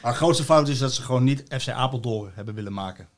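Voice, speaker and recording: A Dutch man chats casually about football, spinning long anecdotes. His voice sits in an ordinary middle pitch, and he stumbles through many restarts and fillers as he goes. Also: fast.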